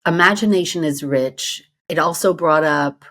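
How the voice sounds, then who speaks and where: Low-voiced woman host, French native. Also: moderate pace, a bit bright. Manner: curious, asks follow-up questions. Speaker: podcast host. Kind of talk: casual interview chat.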